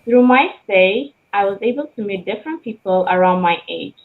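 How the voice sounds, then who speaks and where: A woman's voice: mid-range voice, lively intonation, normal speed. Young woman from Ethiopia, student archivist, careful read-aloud speech, tinny phone-quality audio. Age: young adult. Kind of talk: prepared speech.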